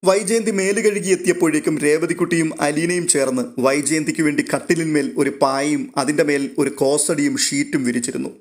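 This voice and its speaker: A man reading a serialized novel aloud in steady, measured storytelling. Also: a little high. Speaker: narrator. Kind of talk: scripted narration of a serial novel.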